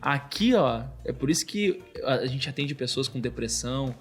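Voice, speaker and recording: A man in his thirties, a podcast guest, telling a personal faith story in casual chat, animated and full of filler words. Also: mid-range voice, normal speed, husky, faint music behind. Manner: animated storytelling, constantly says "cara".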